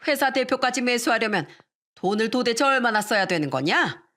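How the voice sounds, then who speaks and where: A woman's voice: animated, brisk. A woman voicing a furious, scornful middle-aged mother-in-law-to-be in a dramatized radio story. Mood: mocking. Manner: shrill, contemptuous yelling.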